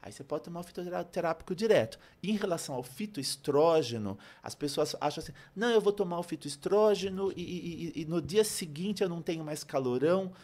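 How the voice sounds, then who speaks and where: A man's voice: fairly high pitch, darkish tone. A man with a Brazilian accent speaking as a pharmacist guest on a health podcast, explaining in a didactic way with repeated phrases and rhetorical questions. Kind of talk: animated explanatory podcast talk.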